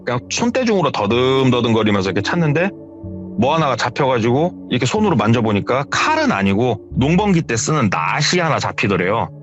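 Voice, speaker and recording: A man with a mid-range voice retells a listener's horror story at a fairly quick pace, animatedly acting out the dialogue. The audio is dull, with music playing in the background.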